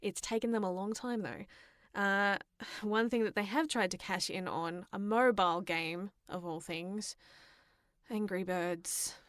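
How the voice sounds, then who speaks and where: A woman's voice: medium pitch, fairly even intonation, measured pace, a bit bright, no echo, clean studio sound. A woman co-hosting a podcast, talking casually in a frank, chatty and playful way. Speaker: podcast co-host. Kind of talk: casual opinionated chat.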